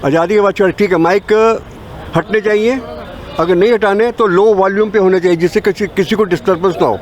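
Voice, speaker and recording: A man's voice: high-pitched, steady tone, fairly quick, darkish tone. A man giving an argumentative opinion in an outdoor street interview. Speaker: member of the public being interviewed.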